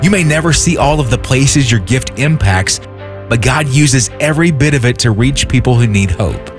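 A man announcer making an earnest, persuasive appeal for donations. Clear music runs beneath his voice. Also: mid-range voice, lively intonation, normal speed. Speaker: radio announcer. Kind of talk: scripted appeal.

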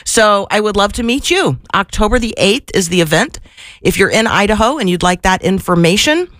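Woman, radio host, slightly gravelly voice, chatty, effusive, fillers and restarts, dry studio mic. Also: mid-range voice, animated, normal speed, fairly bright tone, no echo. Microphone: studio microphone.

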